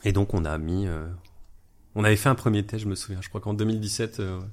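A man in his thirties, a wedding videographer chatting as an interview guest in a relaxed, hesitant way with many fillers. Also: fairly low pitch, fast talker. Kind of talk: casual interview chat.

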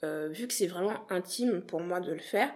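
A woman's voice: fairly low pitch, normal speed. A young woman from Guadeloupe, a podcast creator answering interview questions in an earnest, thoughtful way with frequent hesitant restarts.

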